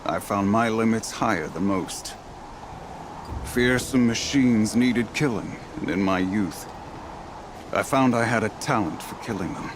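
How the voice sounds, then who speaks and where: A male actor voices a weary old tribal hunter from a video game. His voice sits fairly low and he speaks with solemn, poetic pride, like a veteran telling his own saga. Clear ambient noise runs behind him. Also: lightly acted. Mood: reflective. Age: older. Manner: solemn, measured, poetic storyteller. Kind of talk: dramatic video game dialogue.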